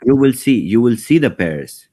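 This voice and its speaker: A man hosting an online update call, answering questions with brief, relaxed replies. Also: medium pitch, normal speed, no room sound, clean studio sound. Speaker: host.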